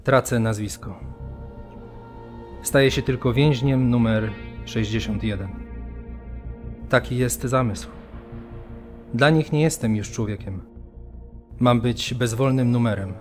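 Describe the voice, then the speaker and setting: An actor playing a sombre prisoner, narrating his memories gravely and deliberately in a radio drama. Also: medium pitch, faint music behind, lightly acted. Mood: bleak resignation. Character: sombre male camp prisoner stripped of his identity.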